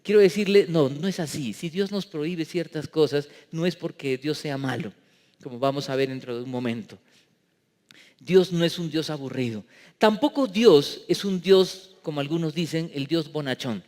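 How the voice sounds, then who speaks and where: A man's voice: on the high side, normal speed, a little mellow. A man preaching a sermon as pastor, joking with the congregation and putting rhetorical questions to them. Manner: humorous, mimics people in funny voices. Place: church sanctuary. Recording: long reverb of a church hall.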